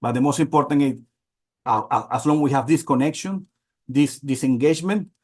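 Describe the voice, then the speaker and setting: A man from Venezuela, presenting slides on a webinar in halting speech with many repeats and fillers. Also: medium pitch. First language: Spanish.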